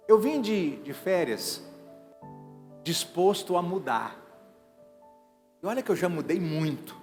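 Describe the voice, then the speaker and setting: A middle-aged man, preaching an evangelical sermon in emphatic bursts that swing between hushed and loud. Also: sits high. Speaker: pastor. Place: church sanctuary. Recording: reverberant hall with faint music behind.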